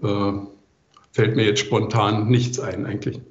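Low-voiced older man, echoey muffled recording. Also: little pitch movement, a little slow, slight background noise. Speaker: composer interviewed as podcast guest. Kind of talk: relaxed interview answers.

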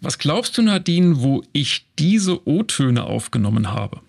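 A man's voice: a little high, very animated, unhurried, vocal fry. A man co-hosting a company news show, explaining stories in an upbeat, conversational way. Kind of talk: casual scripted news chat.

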